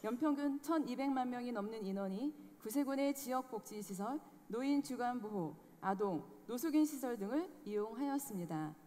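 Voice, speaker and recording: A woman presenting a formal scripted report in a clear, formal tone. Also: on the high side, animated, moderate pace, hardly any pauses, mellow. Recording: long hall reverb.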